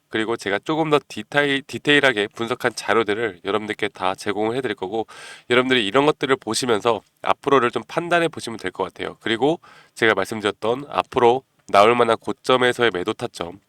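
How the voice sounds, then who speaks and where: A man hosting a stock market channel, talking persuasively to viewers and often clearing his throat because of a cold. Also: on the low side, fairly bright tone, no echo. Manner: persuasive, keeps asking viewers "you know?". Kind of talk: stock analysis talk to viewers.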